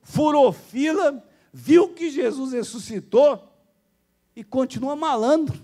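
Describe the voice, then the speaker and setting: A man with a Brazilian Portuguese accent preaching a sermon in a church, telling stories with chuckles and voice jumping high when excited. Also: slow. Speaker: pastor.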